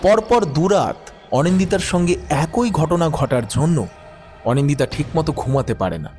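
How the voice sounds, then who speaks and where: Male narrator for ghost tales, highish voice, lively swings in pitch, dramatic scripted read. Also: moderate pace, over music.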